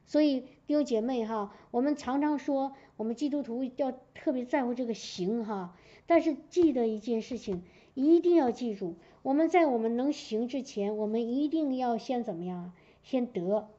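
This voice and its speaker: A woman preaching a sermon in a lively storytelling way, checking in often with her listeners. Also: a little high. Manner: lively storytelling with frequent "明白我的意思吧" asides. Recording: dull lo-fi recording.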